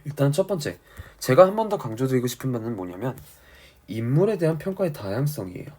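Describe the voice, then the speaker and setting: A male teacher giving an exam-prep lecture on literature, explaining didactically and emphatically and often checking that students follow, his voice husky from a sore throat. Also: medium pitch, sing-song, fast, a little mellow. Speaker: Korean language and literature teacher.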